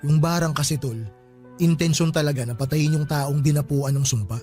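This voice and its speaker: A man's voice: on the high side, brisk, darkish tone, close to an everyday voice. An actor playing a superstitious young man at a wake in a radio drama. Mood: somber. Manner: casual, superstitious talk. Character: young man friend at a wake, jumpy, sees spirits. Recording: faint music under the voice.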